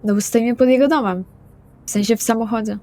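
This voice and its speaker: A woman's voice: on the high side, fast, mellow, lightly acted. A woman playing an anxious, literal-minded young female vampire in an improvised tabletop roleplay, speaking plainly and hesitantly.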